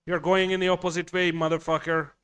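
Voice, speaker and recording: A man's voice: a little high, little pitch movement, fast talker, fairly bright tone, smooth, no echo. A man hosting a casual livestream, chatting with viewers, reading their messages and swearing bluntly as he rambles. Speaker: livestream host.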